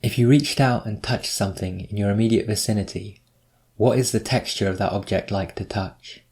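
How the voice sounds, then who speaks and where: Low-pitched man guiding a meditation. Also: normal speed, darkish tone. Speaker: guided meditation narrator. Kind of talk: scripted guided meditation.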